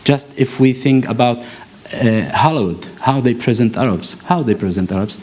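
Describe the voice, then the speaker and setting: A man from Palestine, giving an earnest conference talk, often pausing and restarting as he searches for words. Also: mid-range voice, a little mellow. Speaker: actor and panel speaker. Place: conference hall stage.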